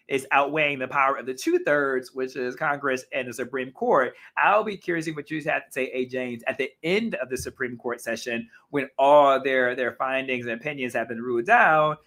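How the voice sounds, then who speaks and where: At a medium pitch and normal speed with hardly any pauses, a slightly hoarse man hosts a live talk show. He chats casually with viewers' comments, animated and often self-correcting.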